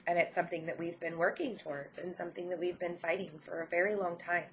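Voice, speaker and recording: Casting: woman, lowish voice with a head cold, gentle encouraging online tarot reader, hesitant phrasing, slight background noise. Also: steady tone, fast talker. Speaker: spiritual tarot reader and channel host. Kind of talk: informal spiritual card reading to viewers.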